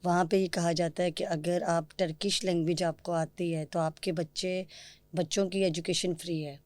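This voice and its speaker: A woman hosts the podcast, asking polite and curious questions and slipping English words into her sentences. Her voice sits somewhat low and sounds mellow. It was recorded close and dry. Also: little pitch movement, no echo. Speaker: podcast host. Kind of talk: interviewing.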